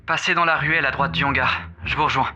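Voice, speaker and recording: A man's voice: mid-range voice, fairly even intonation, fast, bright, forceful tone, lo-fi sound. A man voicing a timid, reluctant, skinny male spaceship mechanic with a hesitant, stammering delivery in a visual novel. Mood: resigned. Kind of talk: acted visual novel dialogue. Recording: music bed under the voice.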